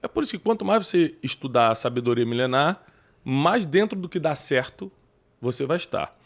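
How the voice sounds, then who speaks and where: A man hosting a talk show, animated and preachy, often bringing in scripture. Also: a little high, fairly quick. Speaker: podcast host. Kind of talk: casual chat.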